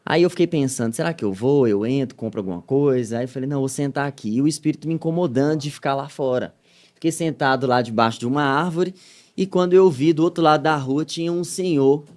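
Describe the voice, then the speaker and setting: Mineiro guy telling a missionary story on a podcast, gets loud then goes quiet. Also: medium pitch, quick pace. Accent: Minas Gerais Portuguese. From Minas Gerais, Brazil. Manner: animated storytelling, swings from loud to soft. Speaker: missionary guest. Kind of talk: podcast testimony.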